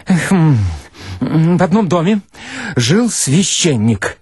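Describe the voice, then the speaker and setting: Guy doing a nervous broke writer in a radio story, halting, husky, swooping pitch. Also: big pitch swings, darkish tone, dry recording, studio quality, heavily acted. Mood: bluffing. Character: flustered, broke male writer pitching stories, bluffing eagerly.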